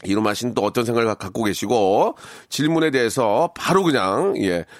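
A man's voice: mid-range voice, a little fast, no echo, clean studio sound. A man hosting a radio talk show, interviewing a guest in a playful, teasing way. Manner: teasing, jokey, exaggerated.

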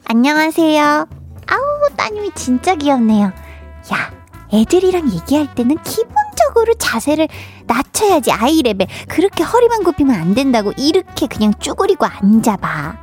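Bubbly young woman cooing over a child in a radio comedy sketch, as a woman plays her, high and sing-song, with music faintly behind. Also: wildly swooping pitch, moderate pace.

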